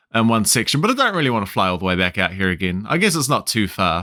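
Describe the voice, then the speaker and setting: Bright and sharp, a man's voice swings very widely in pitch with a New Zealand accent. The recording is very clean, the background silent. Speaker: gaming video creator. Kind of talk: casual gameplay commentary.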